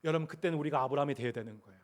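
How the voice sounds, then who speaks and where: Pastor type, man with a high voice, fervent pulpit preaching that goes from big cries to near-hushed confession. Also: very fast. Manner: impassioned, swinging from loud cries to quiet confession. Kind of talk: sermon. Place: church sanctuary at the pulpit.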